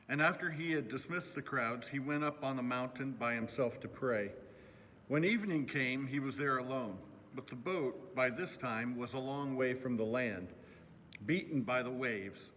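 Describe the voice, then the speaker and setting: A man's voice: mid-range voice, sharp tone. Reverberant pastor, a man reading the gospel. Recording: long hall reverb, noticeable background noise.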